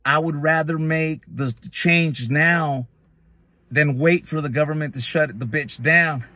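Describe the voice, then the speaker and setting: A lead-generation business owner from Northern California, Chicano-accented, chats openly with his viewers on camera, conversational, direct, and dropping the odd curse. His slightly high voice is unhurried and sharp, captured in a dry, studio-quality recording.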